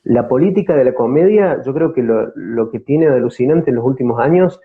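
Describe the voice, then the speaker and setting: A man's voice: mid-range voice, animated, fairly quick, narrow, tinny audio. A man with an Argentine accent from Córdoba giving conversational interview answers as an actor, feeling for words and repeating them as he goes. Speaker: theatre company actor, interview guest.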